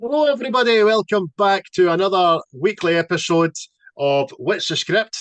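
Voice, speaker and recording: Speaking at a moderate pace, a man with a high pitch uses lively intonation in a dry, close sound with no echo. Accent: Glaswegian. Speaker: podcast host.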